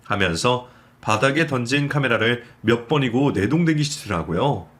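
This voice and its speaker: A man narrating a scripted story in a steady, measured way. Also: mid-range voice.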